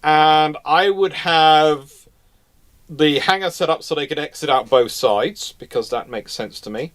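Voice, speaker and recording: A man's voice: on the high side, unhurried, fairly bright tone. Man talking through ideas in repeated phrases. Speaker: host of a naval history question show. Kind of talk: casual analytical discussion.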